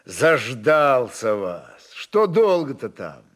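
A man voicing a Cossack leader in a storybook reading, gruffly affectionate, speaking in short, repeated exclamations. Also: mid-range voice, very animated, slow, a bit bright, full character voice. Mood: gruff joy. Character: battle-worn Cossack leader greeting his family, gruffly tender. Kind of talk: dramatic literary reading.

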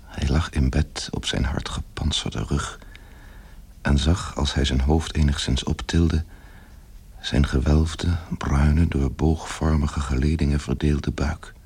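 A man narrating a literary radio play in a measured, grave manner with a gravelly, husky voice. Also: rumbling low, flat delivery, darkish tone.

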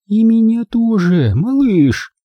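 A man putting on a shrill fussy old granny. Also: sing-song, takes it slowly, no room sound, lo-fi sound, full character voice. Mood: grumbling. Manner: shrill and exclaiming. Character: fussy excitable old grandmother.

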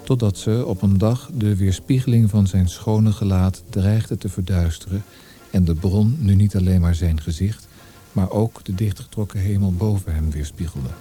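A man's voice: sits low, moderate pace, warm tone, lightly acted. A man reading literary scripted narration in a radio play. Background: music.

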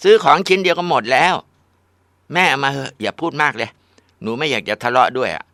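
A man voicing a spoiled, rude teenage girl who whines and yells insults. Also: medium pitch, a little fast, vocal fry, no room sound, voice pushed up. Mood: whiny demanding. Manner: whiny, shouting insults.

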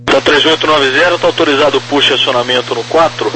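A Brazilian man works as an air traffic controller over the radio. His mid-pitched voice gives procedural instructions. The transmission carries clear hum and noise. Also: quick pace. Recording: noisy aviation radio with hum.

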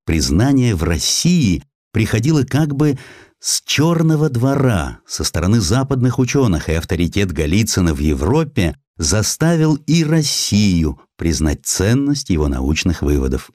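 Deep-voiced, expressive male narrator. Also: moderate pace, dry recording, studio quality. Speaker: audiobook narrator. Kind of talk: scripted literary narration of a historical essay.

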